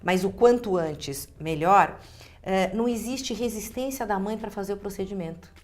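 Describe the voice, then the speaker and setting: A woman's voice: medium pitch, moderate pace. A Brazilian woman speaking as a guest dentist, explaining clinical practice conversationally and restating phrases for emphasis.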